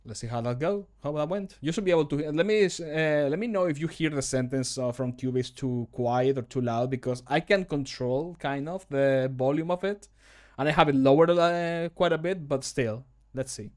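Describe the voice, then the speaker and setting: A man's voice: a little high, moderate pace, a little mellow. A man in his thirties chatting casually on a livestream in a rambling, self-deprecating way. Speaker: streamer and game modder. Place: small home room, indoors.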